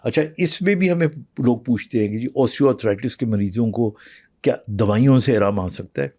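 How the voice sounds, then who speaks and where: A man speaking as a doctor on a podcast, patiently walking through his answers with pauses and fillers. His voice is mellow and warm. The recording is dry and close. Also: medium pitch, no room sound. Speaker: internal medicine doctor, podcast guest. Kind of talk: explanatory interview talk, mixing in English.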